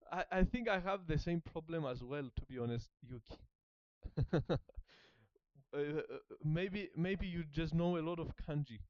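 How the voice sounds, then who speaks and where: Here a German-native language learner talks himself through a study session, hesitating, repeating words as he works them out and laughing quietly at himself. His voice is a little high, clear and resonant, paced in a measured way with long pauses. The audio is dry and slightly muffled.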